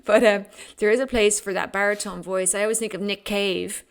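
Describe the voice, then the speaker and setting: A woman's voice: mid-range voice, fairly even intonation, a little fast, vocal fry, smooth. A woman hosting a podcast, interviewing a guest in a thoughtful, explanatory way with brief laughs. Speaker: podcast host.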